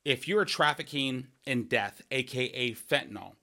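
A man's voice: medium pitch, animated, a little slow, pushed and bright. A man running for office, talking through his policy plans in a podcast monologue. He speaks earnestly and emphatically, restarting phrases and tossing in "right?" asides. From Washington State. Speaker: political candidate hosting a podcast.

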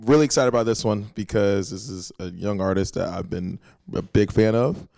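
A man hosts an interview podcast, introducing the show with laid-back, upbeat patter. His voice is low with a gravelly fry, and faint music plays under him. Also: moderate pace, dark tone, no room sound, clean studio sound. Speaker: podcast host.

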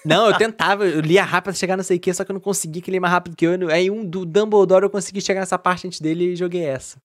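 A man from Brazil hosting a casual chat, telling stories in a profane, animated way. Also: sits high, very fast, dry recording, clean studio sound.

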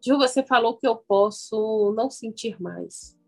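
A woman's voice: a little high, measured pace, creaky. A Brazilian woman hosting a motivational self-help radio program, instructing listeners directly with emphatic repetition and guided declarations, with music behind her.

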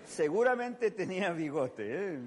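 Slow, high-voiced preacher in a hall. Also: male voice, sing-song, noisy background. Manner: storytelling with acted voices, playful asides. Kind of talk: sermon. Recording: long reverb of a large hall.

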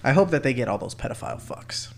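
A man co-hosting a podcast, talking in crude casual banter, loud, teasing and laughing often. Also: medium pitch, wildly swooping pitch, fast talker, creaky, crowd noise. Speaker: podcast co-host.

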